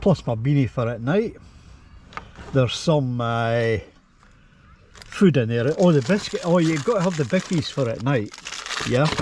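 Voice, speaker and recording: A man speaks with a Scottish accent and very wide pitch swings. Noticeable background noise sits behind him. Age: 70s. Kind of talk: casual talk to camera.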